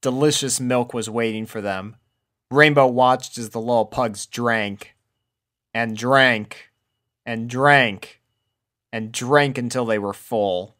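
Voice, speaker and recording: A man's voice: mid-range voice, takes it slowly, fairly bright tone. A man reading a scripted story aloud as its narrator. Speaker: fan fiction reader.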